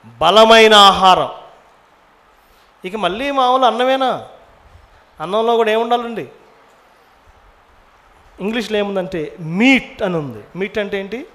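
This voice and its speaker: A man delivers a Bible-teaching sermon in a noticeably high voice. He teaches by questioning his listeners, often answering himself. He slips English words into his speech. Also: a bit bright. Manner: asks the audience many questions, drops in English words. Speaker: preacher.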